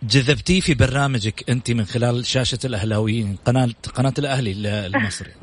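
A man's voice: mid-range voice, very fast, slightly rough. A man with a Saudi Arabic accent hosting a radio interview, effusive and flowery, stretching words for effect. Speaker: radio show host.

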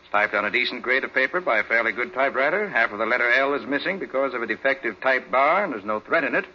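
An American actor playing a confident, brisk master detective in 1940s radio drama style, matter-of-fact and self-assured. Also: male voice, mid-range voice, expressive, close to an everyday voice. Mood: cool, businesslike. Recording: dull, noisy 1940s radio recording.

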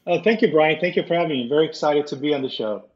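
A middle-aged man from Italy answering interview questions conversationally, haltingly, repeating words and often checking in with "right?". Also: a little high, muffled recording. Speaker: interview guest, art collector and entrepreneur.

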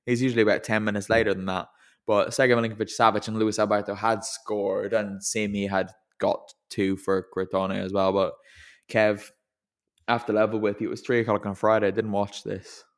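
A man's voice: fairly low pitch, level tone, brisk. A man hosting a casual football podcast, rambling and self-deprecating as he thinks aloud. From English-speaking country. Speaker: podcast host. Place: lives in Italy.

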